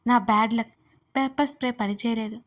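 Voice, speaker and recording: A woman narrating a first-person romance story for an audiobook, in an expressive, dramatic way. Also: on the high side, fairly quick.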